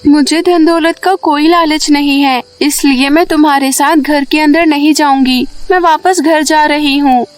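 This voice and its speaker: A woman's voice: sits high, fairly even intonation, a little slow, hardly any pauses. A woman voicing a cautious, loyal village girl in a cartoon story, earnest in manner. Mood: cautious, firm. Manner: earnest, pleading.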